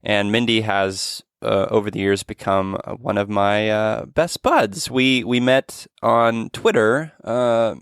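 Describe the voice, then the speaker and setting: Smooth-voiced earnest male podcast host. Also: on the low side, slow, hardly any pauses, dry recording, clean studio sound. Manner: earnest, gentle, with frequent restarts and fillers. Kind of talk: casual podcast chat.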